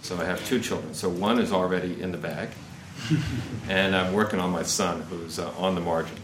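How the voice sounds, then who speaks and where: A man's voice: low voice, normal speed. A man in his fifties speaking at an informal seminar, rambling and peppering his talk with "you know" and "right". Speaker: guest speaker on investment. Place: seminar room. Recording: echoey room with faint noise.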